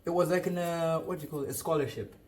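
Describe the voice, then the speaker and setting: A man's voice: a little high, fast talker, a little hiss or hum. A young man from Zimbabwe, a chef telling his story in a casual interview, joking and restarting his sentences. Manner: relaxed, joking, restarts often.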